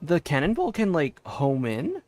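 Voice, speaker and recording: A man's voice: a little high, wildly swooping pitch, measured pace, a little mellow. Puzzled man musing over gameplay. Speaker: streamer playing a game. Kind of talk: casual gameplay commentary. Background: game music.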